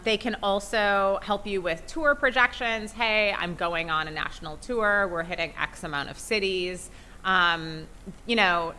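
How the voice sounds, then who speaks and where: A woman's voice: mid-range voice, bright, forceful tone, a little hiss or hum. A woman hosting a podcast, explaining things to an audience in a casual, conversational way. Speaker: podcast host. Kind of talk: spoken presentation to an audience.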